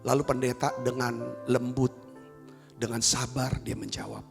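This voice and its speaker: A man's voice: medium pitch, level tone, moderate pace, vocal fry, long reverb tail, music in the background. A male pastor preaching a sermon, emphatic and repeatedly addressing the congregation directly.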